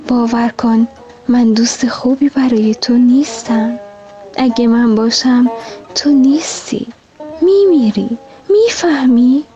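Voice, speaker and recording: A gentle, caring sun in a radio storybook, earnest and worried for its friend, as a woman reader puts it on. The voice sits high and sounds mellow, with dull lo-fi radio sound and faint music behind it. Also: big pitch swings, few pauses.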